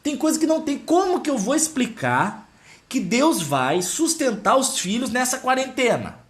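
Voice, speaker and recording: Telling a story as part of a devotional teaching, a man speaks straight to his viewers in an animated manner. He has a very high voice and talks at a normal speed.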